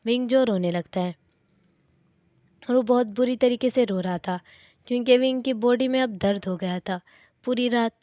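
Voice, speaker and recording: A woman's voice: on the high side, moderate pace, long pauses, dark tone, no echo, lo-fi sound. A woman casually retelling a fan-fiction story, speaking to the listener with chatty asides.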